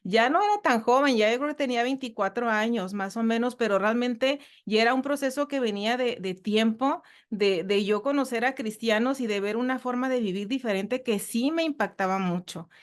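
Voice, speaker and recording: A woman's voice: on the high side, moderate pace, hardly any pauses. A woman with a Mexican Spanish accent, from northern Mexico, giving an earnest personal testimony in a casual interview, often repeating herself and using fillers. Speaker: church guest.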